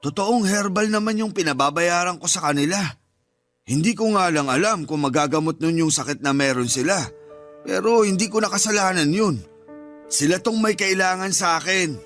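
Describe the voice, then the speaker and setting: A man's voice: high voice, lively intonation, moderate pace, fairly bright tone. A man playing a dismissive uncle who sells fake herbal remedies in a radio drama. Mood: scolding. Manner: scolding, dismissive. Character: scheming uncle selling fake herbal cures. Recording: music underneath.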